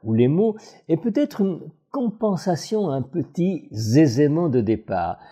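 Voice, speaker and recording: Dark-voiced male voice coach. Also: on the high side. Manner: measured, analytical, expressive phrasing. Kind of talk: scripted voice-over analysis.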